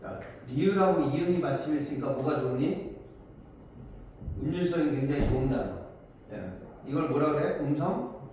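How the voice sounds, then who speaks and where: A man's voice: a little high, expressive, moderate pace, warm tone. A man teaching a class on Korean poetry, asking his students questions and answering them himself. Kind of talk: classroom lecture explaining poems. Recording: echoey room from far off, faint noise.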